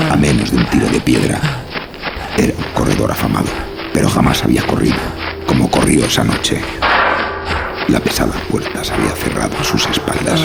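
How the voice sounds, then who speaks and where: A man narrating a scripted horror story in a measured, suspenseful, dramatic way. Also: a bass voice, gravelly.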